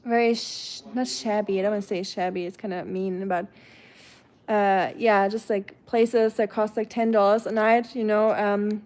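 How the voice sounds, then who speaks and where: A woman from Germany's Black Forest with a German accent, chatting casually with viewers on a livestream, warm and chatty with fillers and soft laughs, her voice trailing quietly at phrase ends. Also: mid-range voice, fairly even intonation, normal speed. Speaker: livestream host. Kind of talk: casual chat, reading viewer comments aloud.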